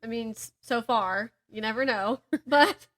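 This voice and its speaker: A woman co-hosting a podcast in casual chat, giggly and expressive in how she reacts to her friend. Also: on the high side, a little slow. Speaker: podcast co-host.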